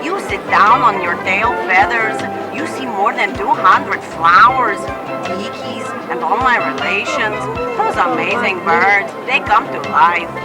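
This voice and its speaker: Woman acting a bossy tropical bird, slow barker. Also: medium pitch, animated, close to an everyday voice, rough recording. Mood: bossy, inviting. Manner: insistent barker patter. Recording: outdoor attraction audio under loud music.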